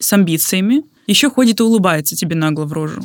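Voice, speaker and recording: A woman uses a plain, everyday voice at medium pitch, moving at a moderate pace with lively intonation. The recording is very clean and dry, close with no echo, over a silent background. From Russia, Penza. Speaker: opera singer. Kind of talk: interview. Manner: formal.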